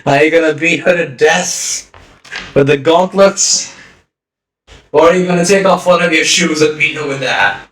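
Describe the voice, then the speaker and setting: A man streaming a game, reading story text aloud with wry joking asides, slightly hoarse. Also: fairly high pitch, moderate pace, long pauses, fairly bright tone. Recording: roomy distant mic, music behind.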